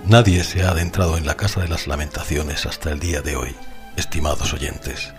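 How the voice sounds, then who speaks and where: A paranormal radio host with a Spain accent. His deep voice delivers scripted lines in a formal, solemn, measured way. Music plays clearly underneath. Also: fairly even intonation. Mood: solemn, assured. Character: male late-night paranormal radio show host.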